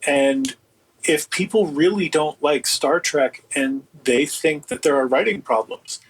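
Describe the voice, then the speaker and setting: Male, slightly high voice, husky edge, casual interview guest, opinionated, rambling, emphatic. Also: a bit bright, low-quality recording. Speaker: guest, audio producer and writer.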